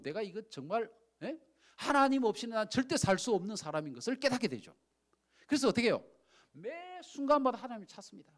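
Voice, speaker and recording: A middle-aged male pastor preaching a sermon, telling stories animatedly, acting out quoted speech and asking the audience questions. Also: high-pitched.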